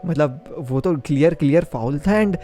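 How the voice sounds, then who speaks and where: A man's voice: on the high side, normal speed, dark tone, faint music behind. Opinionated young man. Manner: chatty, opinionated, emphatic. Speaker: football video reviewer. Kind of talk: casual football match review.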